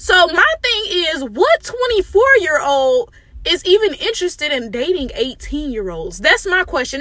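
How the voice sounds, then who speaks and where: A woman with an extremely high pitch uses a raised, projected voice and an animated tone with very wide pitch swings. The sound is dry with no echo, and the background is quiet. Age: 20s. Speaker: commentary vlogger. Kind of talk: casual monologue to camera. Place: car. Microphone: phone near.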